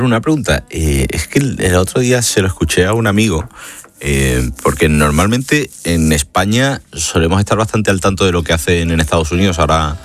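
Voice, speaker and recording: Very deep-voiced male interviewer. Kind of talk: conversational interview.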